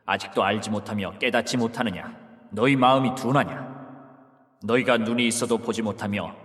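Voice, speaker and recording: An actor playing Jesus as a grave, authoritative teacher in a dramatized scripture reading, speaking in a solemn, measured way. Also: male voice, fairly low pitch, a bit bright, close to an everyday voice. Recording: long hall reverb.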